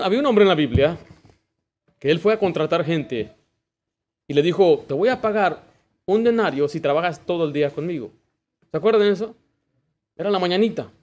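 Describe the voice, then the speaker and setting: Man, pastor, high voice, fervent sermon, folksy anecdotes. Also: darkish tone. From United States. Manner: fervent preaching with personal work anecdotes.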